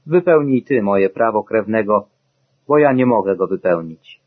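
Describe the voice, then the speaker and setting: A man's voice: fairly low pitch, expressive, moderate pace, breathy edge, no echo. A man reading the part of a cautious kinsman who declines a duty, in a plain, reluctant way, in a dull lo-fi recording.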